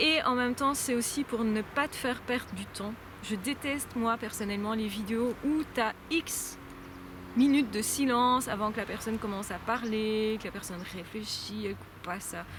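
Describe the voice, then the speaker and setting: At a moderate pace, a woman speaks in an ordinary speaking voice, with a fairly high pitch and ordinary pitch variation. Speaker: vlogger. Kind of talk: casual vlog monologue.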